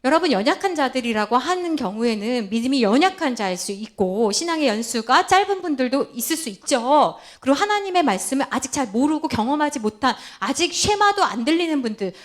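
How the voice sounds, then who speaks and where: A woman's voice: high-pitched, very animated, a little fast, hardly any pauses. A middle-aged woman pastor giving a playful, interactive sermon in a church, laughing often and quizzing her congregation by name. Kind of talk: lively interactive sermon with role-play. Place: church sanctuary.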